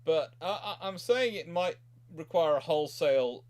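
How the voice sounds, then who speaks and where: Halting man hosting history chat. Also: a little high, lively intonation, a little mellow. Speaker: host, naval historian. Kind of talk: casual history chat with audience questions.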